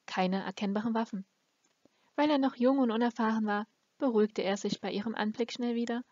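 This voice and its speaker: A woman's voice: fairly high pitch, brisk, a little mellow, no echo. A woman reading a fantasy novel aloud as an amateur audiobook narrator. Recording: dull, lo-fi close recording.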